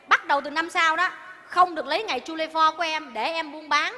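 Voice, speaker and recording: A woman's voice: high voice, fairly even intonation, a little fast, pushed and bright. An actress playing a nagging restaurant-owner wife in a stage comedy sketch, scolding her husband theatrically. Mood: complaining. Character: bossy nagging Vietnamese-American restaurant wife. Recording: reverberant stage hall.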